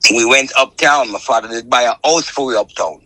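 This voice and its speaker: A Jamaican man in his fifties talks casually as an interview guest. His voice is bright and forceful, at an average male pitch. The sound is dry. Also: brisk, dry recording, poor audio. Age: 50s. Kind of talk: casual phone conversation.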